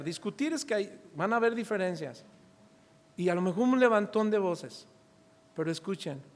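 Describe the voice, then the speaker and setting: A middle-aged Mexican man preaching a sermon as pastor, asking the congregation questions and acting out little scenes from family life. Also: extremely high pitch. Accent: Mexican Spanish. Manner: preaching with rhetorical questions and acted-out anecdotes. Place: church hall. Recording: reverberant church hall.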